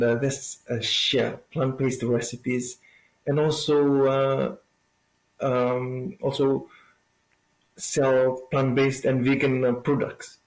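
A man with a Fijian accent talks as an interview guest at a very unhurried pace, pausing often to think. His pitch sits in the middle for a man, and the room around him adds noticeable echo. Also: creaky, darkish tone. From Fiji. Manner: halting, thoughtful, with frequent pauses. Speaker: interview guest, plant-based food business owner. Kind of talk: conversational interview answer. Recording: roomy, echoing sound.

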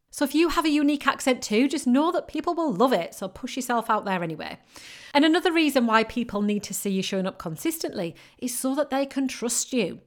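A woman with a northern English accent, giving an emphatic, motivational business-coaching talk. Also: fairly high pitch. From northern England. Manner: emphatic, repetitive encouraging delivery. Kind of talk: motivational podcast monologue.

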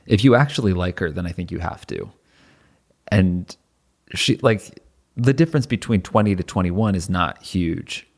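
A man with a fairly low voice and plenty of vocal fry co-hosts a comedy podcast. He talks casually and jokes along in loose, conversational banter. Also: lively intonation, normal speed. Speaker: podcast co-host.

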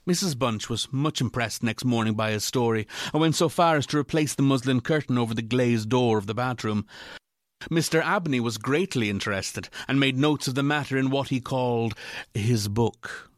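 A man narrating a literary ghost story in a measured, formal way. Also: mid-range voice, dry recording, studio quality, natural voice.

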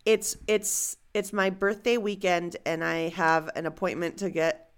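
A young woman co-hosting a casual podcast, an animated storyteller who acts out quotes and wanders off on tangents. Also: on the low side, unhurried, clear, resonant tone. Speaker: podcast co-host.

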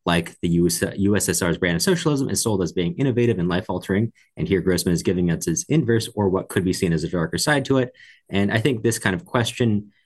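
A man's voice: low-pitched, quick pace, darkish tone. A man co-hosting a podcast book discussion, going through comments and offering his thoughts. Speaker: podcast co-host.

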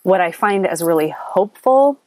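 A low-pitched woman with a slight lilt, hosting a spiritual podcast. She talks earnestly and wanders, with ums and restarts, her voice a bit scratchy. It is recorded close and dry on a recording app. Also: expressive, moderate pace, a little mellow, no room sound. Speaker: podcast host. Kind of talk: spiritual coaching podcast monologue. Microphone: app recording, close mic.

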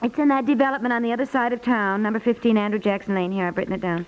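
A woman's voice: a little high, steady tone, rapid-fire, clear, resonant tone, close to an everyday voice. A woman playing a talkative, fussing wife and mother in a naturalistic 1950s radio comedy style. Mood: chatty, put out. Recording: dull vintage 1950s radio recording.

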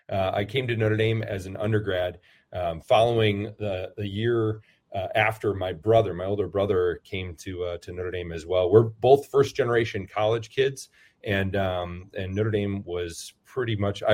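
A man with a low voice, a priest and football chaplain, answering interview questions in a rambling, self-deprecating way with many fillers. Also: normal speed, darkish tone. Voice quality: lower voice.

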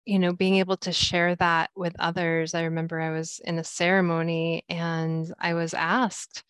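A woman co-hosting a podcast, responding in a calm, reflective and measured way. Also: on the low side, clear, resonant tone, no room sound. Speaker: podcast co-host. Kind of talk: casual chat.

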